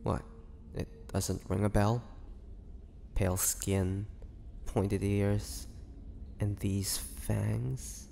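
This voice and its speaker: A man playing a weary, brooding ancient vampire in a dramatic audio roleplay, speaking haltingly with a low, gravelly voice. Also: flat delivery, dark tone, exaggerated voice. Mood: weary, taunting. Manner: slow, halting, brooding delivery with pauses. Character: weary, imprisoned ancient male vampire, groggy and menacing. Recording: long cavernous reverb, background noise.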